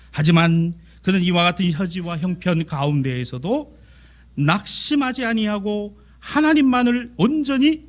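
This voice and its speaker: A man preaching a church sermon as pastor, swinging between emphatic declarations and hushed, almost whispered lines. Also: high voice.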